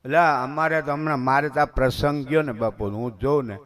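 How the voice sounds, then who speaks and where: A man's voice: medium pitch, steady tone, brisk, fairly bright tone. A man giving a devotional sermon in a folksy, conversational way, often calling his listeners bapu. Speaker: katha preacher.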